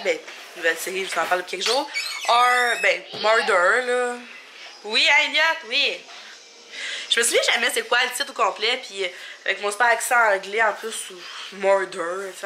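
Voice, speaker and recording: A woman's voice: on the high side, noisy background. A woman in her thirties with a Québécois French accent, chatting casually in a rambling home vlog, a little sniffly from a stuffy nose. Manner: chatty, rambling, many fillers and little laughs. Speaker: family vlogger. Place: home kitchen, indoors.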